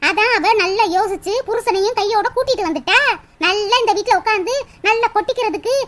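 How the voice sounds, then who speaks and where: A woman voicing a sharp-tongued young wife in a cartoon, scolding and sarcastic with mocking laughs. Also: very high-pitched, fairly quick. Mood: scornful. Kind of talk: cartoon voice acting.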